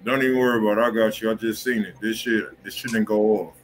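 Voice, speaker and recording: A man's voice: lowish voice, steady tone, fast talker, a little hiss or hum. A man hosting a music review livestream in casual, slangy talk, swearing freely and repeating himself.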